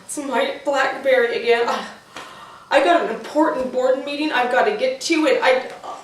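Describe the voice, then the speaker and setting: A flustered, self-important middle-aged businesswoman acted by a woman in a comedy sketch. She rambles awkwardly in a fairly high voice, some way from the mic in a strongly echoing room. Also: moderate pace, lightly acted. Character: frumpy, flustered, self-important forty-two-year-old female CEO. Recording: echoey room, distant microphone.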